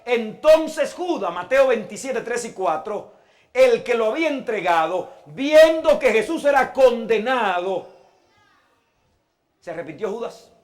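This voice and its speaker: A pastor preaching a sermon in a church, swinging from loud emphatic lines to hushed low ones and asking the congregation rhetorical questions. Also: male voice, lively intonation, measured pace.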